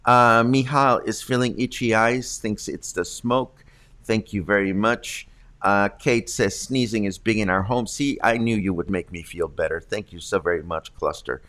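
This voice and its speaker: A man's voice: fairly low pitch, steady tone, normal speed, a bit bright. Congested man hosting a chatty news stream. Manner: chatty, reads viewer comments aloud. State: congested from allergies. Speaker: host of a local news livestream. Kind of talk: casual news reading and viewer chat. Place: home room with studio mic. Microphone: large studio condenser mic.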